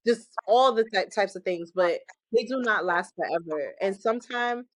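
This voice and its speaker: A woman guest giving an animated, emphatic faith testimony, exhorting listeners and laughing often. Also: mid-range voice, moderate pace, dry recording. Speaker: podcast guest. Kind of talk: casual testimony-style faith talk.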